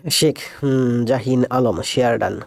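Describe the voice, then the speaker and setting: A man with a cold, speaking slowly and softly as he greets viewers before his live math class. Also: mid-range voice, creaky, dry recording. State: has a cold. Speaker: math teacher.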